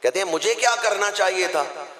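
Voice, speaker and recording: A man from Pakistan with a Pakistani Urdu accent, delivering a sermon as a preacher. He swings between loud, declaiming passages and hushed storytelling. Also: sits high, animated, moderate pace. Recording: echoey hall with long reverb.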